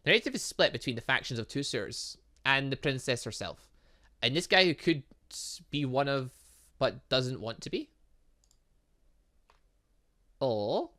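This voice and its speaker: Here a gaming channel host plays through a visual novel, his medium-pitched voice lively in intonation and sharp in tone at a moderate pace. He chats casually, reads snippets of the game, thinks aloud, and mutters to himself.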